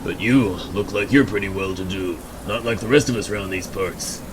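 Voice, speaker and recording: A man's voice: deep voice, noisy background, lightly acted. A man playing a suspicious, desperate backwoods drifter with a folksy, accusing manner in an amateur radio drama. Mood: suspicious, taunting. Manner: folksy, accusing, drawn-out taunting.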